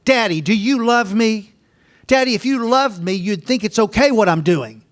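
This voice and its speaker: A man's voice: sits high, lively intonation, normal speed. A man voicing a pleading grown child.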